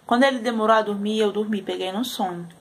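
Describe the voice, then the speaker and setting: A tired young Brazilian mother chats into her camera at home in a loose, unscripted vlog style, sighing often between thoughts. Her voice sits at an ordinary pitch, with a faint hum of household noise behind her. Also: fast talker, poor audio. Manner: chatty, sighing, with frequent "ai" and "né". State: tired after a sleepless night. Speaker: vlogger and mother.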